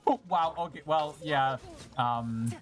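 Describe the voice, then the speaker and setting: A game streamer offers casual, playful gameplay commentary mixed with dramatic reading, dropping slangy, sing-song asides. The voice is mid-range and unhurried.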